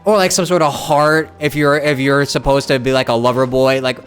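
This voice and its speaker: A man's voice: mid-range voice, fairly even intonation, a little fast, smooth. A man streaming a game with casual, informal commentary, repeating phrases for emphasis. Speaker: live streamer. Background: game music.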